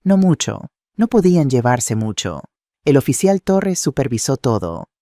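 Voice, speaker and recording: A man reading a scripted first-person story in a steady, earnest way. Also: mid-range voice, unhurried, no room sound, clean studio sound. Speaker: narrator.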